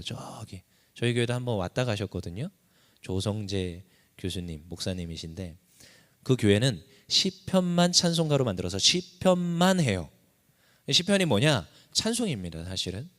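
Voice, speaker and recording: A man's voice: medium pitch, fairly bright tone. A man preaching a sermon as pastor, impassioned, his voice climbing sharply whenever he cries out a prayer. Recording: long reverb of a church hall.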